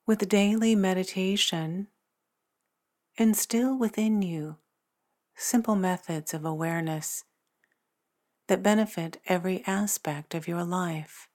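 A woman narrating a guided meditation in a soothing, measured manner with long pauses between phrases. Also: fairly low pitch, a little mellow. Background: new-age meditation music.

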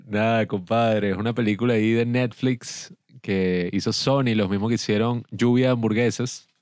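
Male co-host: low, dry voice, loose rambling film banter. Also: fairly even intonation, unhurried, darkish tone, smooth, dry recording. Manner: rambling, joking, laughs often. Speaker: podcast co-host. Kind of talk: casual film review chat.

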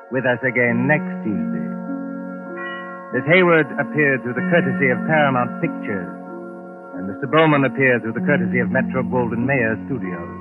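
A man narrating and announcing a 1940s radio mystery show in a measured, formal, ominous manner. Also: medium pitch. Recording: tinny 1940s radio recording. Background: music.

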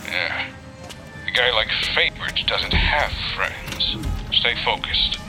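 A man's voice: medium pitch, expressive, slow pace, poor audio. Man acting a terse, wary older mentor. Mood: dry, wary. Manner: dry, terse, admonishing. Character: gruff, wary older male treasure-hunting mentor. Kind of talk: audio drama acting. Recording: loud music under the voice.

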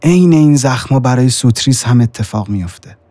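A man's voice: mid-range voice, lively intonation, no room sound. A man reading a scripted horror story with dramatic, suspenseful delivery. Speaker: narrator. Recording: soft music bed behind the voice.

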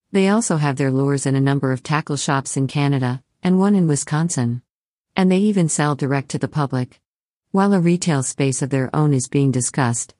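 Low-voiced matter-of-fact woman host. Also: mellow, no room sound, studio quality. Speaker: podcast co-host. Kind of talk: scripted chat.

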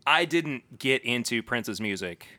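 Man, podcast co-host, animated, bright, dry sound, enthusiastic. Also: medium pitch, no echo. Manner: enthusiastic, lively, quick restarts. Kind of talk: casual chat.

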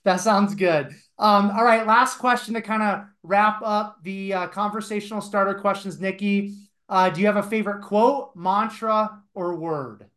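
Hesitant, polite podcast host. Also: male voice, high voice, steady tone, normal speed, few pauses, fairly bright tone. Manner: hesitant, lots of fillers, polite. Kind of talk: casual podcast interview.

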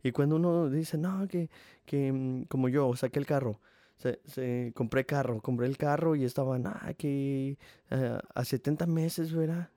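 A man's voice: mid-range voice, steady tone, a little slow, dark tone, no echo, clean studio sound. A young man with a Mexican accent hosting a podcast, rambling casually and cursing often. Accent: Mexican Spanish. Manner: slangy, rambling, frequent swearing. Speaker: podcast host. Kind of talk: casual monologue.

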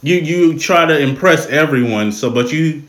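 A man with a Southern US accent talking casually as an interview guest, halting and correcting himself as he goes. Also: a little high, expressive, a bit bright, echoey room, low-quality recording. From Louisiana, United States. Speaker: podcast guest.

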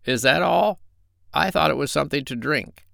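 A man voicing a silly, naive little pig in a storybook, in a high, slow voice. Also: gravelly, bright, forceful tone, no room sound, exaggerated voice. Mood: curious.

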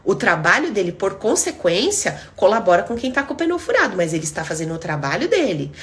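A woman's voice: mid-range voice, very animated, a little fast, fairly bright tone. A middle-aged Brazilian woman, a therapist talking on a casual live stream, blunt and emphatic, acting out bits of dialogue. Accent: Brazilian Portuguese.

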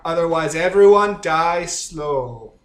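A man's voice: a little high, slow pace, a little hiss or hum. A man voicing a threatening male weasel leader who speaks in broken, clipped phrases, recorded in an echoey room. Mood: menacing.

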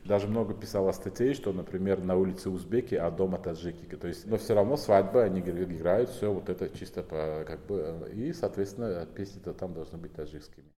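A man from Tajikistan speaking Russian as a second language with a Central Asian Tajik accent, explaining things in an informal interview in a halting, repetitive way full of fillers. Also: low voice, dark tone. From northern Tajikistan. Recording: roomy hall with long reverb.

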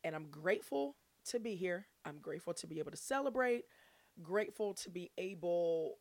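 A woman of forty chats casually as a solo podcast host. Her voice sits a little low and is recorded dry and close. She is playful and exuberant, addressing listeners like old friends. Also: expressive, a little fast, a little mellow, no room sound.

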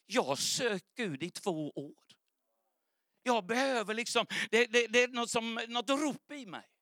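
A man voicing a troubled male airline pilot who is searching for God, speaking in halting, pleading phrases. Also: very high-pitched, bright, forceful tone, no echo, clean studio sound, voice pushed up.

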